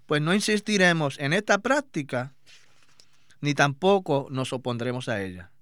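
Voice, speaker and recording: A man doing a scripted religious reading in a steady, formal delivery. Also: fairly high pitch, normal speed, clear, resonant tone, no room sound.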